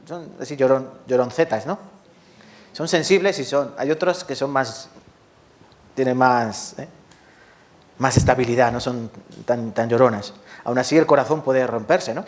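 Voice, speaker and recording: A man's voice: medium pitch, moderate pace. A man preaching a sermon to his congregation, often asking rhetorical questions and addressing the listeners directly. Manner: rhetorical questions, lively rises and drops. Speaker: pastor.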